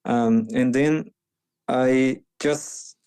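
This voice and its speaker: Slow, halting Panamanian man. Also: mid-range voice, steady tone, darkish tone, smooth. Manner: halting, many restarts and fillers. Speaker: guest, medical missionary. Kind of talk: conversational interview.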